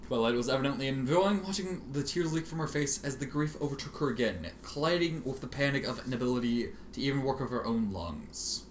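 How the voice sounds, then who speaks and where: A man reading fan fiction aloud in an expressive, sardonic manner, with casual asides. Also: mid-range voice, brisk, hardly any pauses. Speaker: amateur fan fiction reader. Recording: roomy, faintly noisy home recording.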